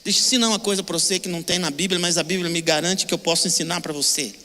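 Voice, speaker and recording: A man's voice: sits high, steady tone, racing, pushed and bright, in a large hall. An older man preaching a sermon with a Brazilian Portuguese accent, emotional and emphatic, repeating short phrases. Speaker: pastor.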